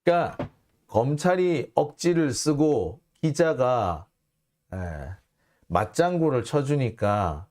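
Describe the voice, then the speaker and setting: A man's voice: mid-range voice, lively intonation, slow, darkish tone. A male host giving casual commentary on a news report, sarcastic and indignant, firing off mocking rhetorical questions.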